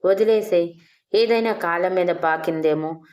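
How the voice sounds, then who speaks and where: Grown son, read by a woman, low voice, gentle, soothing, audio storybook. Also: measured pace, natural voice. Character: grown son calming his father.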